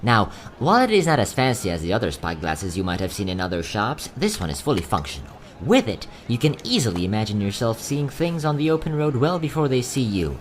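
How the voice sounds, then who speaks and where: Man acting as a lively, courteous young merchant. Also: medium pitch, brisk, hardly any pauses, a little hiss or hum, lightly acted. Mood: wry sales patter. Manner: polite, theatrical salesman's patter. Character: courteous travelling merchant, young man of fallen nobility, quietly sad. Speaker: voice actor. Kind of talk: fantasy audio drama acting.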